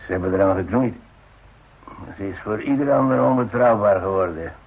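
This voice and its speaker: Radio drama father: older, weary, evasive, low gravelly voice, tinny narrow-band recording. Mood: uneasy, confessing. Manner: halting, hesitant, evasive. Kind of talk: Dutch radio play acting.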